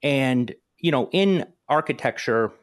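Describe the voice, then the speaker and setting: A man's voice: medium pitch, lively intonation, a little slow. A man in his forties who grew up in New Jersey and speaks Greek as his first language, hosting a podcast in an upbeat, chatty way. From northern New Jersey. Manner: talkative and upbeat, with frequent restarts. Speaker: podcast host. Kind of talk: casual podcast conversation.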